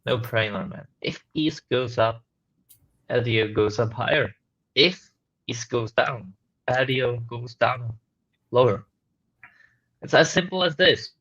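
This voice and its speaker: A man's voice: medium pitch, a little slow, long pauses, fairly bright tone, no room sound. A man on a live panel show, joining by a remote call away from home, his voice muffled as if through a wall while he explains his views in upbeat, plain terms. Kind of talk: casual panel chat. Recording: dull muffled call audio.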